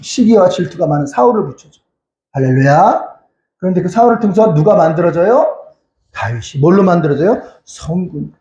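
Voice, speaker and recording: A male pastor delivers a sermon in a high, mellow voice that swings widely up and down. He poses questions and answers them himself, repeats phrases and calls out hallelujah. The recording is echoey and a little muffled, as in a church sanctuary. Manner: cries out hallelujah again and again.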